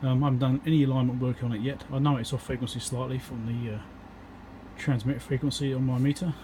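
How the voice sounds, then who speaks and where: Speaking fast with a level tone and medium pitch, a New Zealand man walks through his electronics repairs at an indoor workbench. He keeps it casual, unscripted and matter-of-fact, with background noise in the recording.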